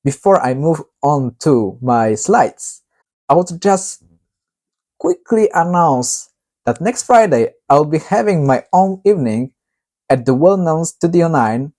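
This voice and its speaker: Mellow man reading his novel. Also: fairly high pitch. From Poland. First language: Polish. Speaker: author.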